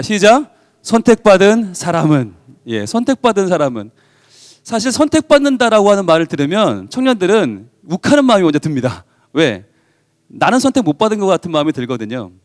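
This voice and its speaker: A man's voice: sits high, no room sound, studio quality. A male pastor giving a youth worship sermon, storytelling emphatically and acting out the dialogue. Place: church.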